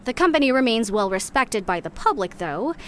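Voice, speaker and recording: A woman's voice: fairly high pitch, very animated, a little fast, a bit bright. An actress playing a bitter, sardonic woman in a sci-fi audio drama, ranting conversationally with sarcastic, mock-dramatic asides. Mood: dry, sardonic.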